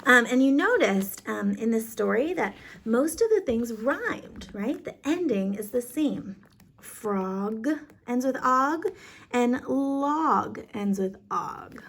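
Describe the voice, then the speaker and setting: Slow-talking woman teaching young children. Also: a little high, lively intonation. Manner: informal, encouraging, step-by-step. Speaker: kindergarten teacher. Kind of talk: children's lesson, casual explaining.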